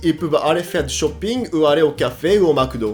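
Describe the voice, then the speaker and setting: A man speaking at a fairly quick pace over music in the background. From Japan. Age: 20s. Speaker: YouTuber. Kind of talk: casual talk to camera. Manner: casual, conversational.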